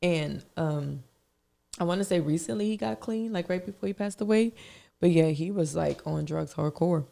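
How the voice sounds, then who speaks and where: A woman with a raspy, gravelly voice co-hosts a podcast while a little under the weather. She talks in a loose, chatty way and laughs often. Her tone is dark and mellow. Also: on the low side, moderate pace. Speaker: podcast co-host. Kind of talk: casual chat.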